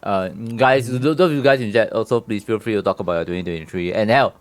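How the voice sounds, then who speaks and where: A stream host, a man with a Singaporean accent, talks in a lowish voice. He rambles casually and circles back over his phrases. The sound is dry, with soft music in the background. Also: fast, no echo. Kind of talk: casual chat.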